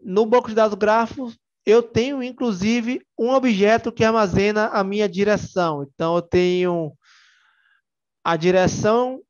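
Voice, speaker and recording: With a voice that sits high, a young man from Salvador, Bahia, jokes his way through an informal tech conference presentation in Bahian Brazilian Portuguese. Fillers and restarts pepper his delivery, and the sound quality is lo-fi.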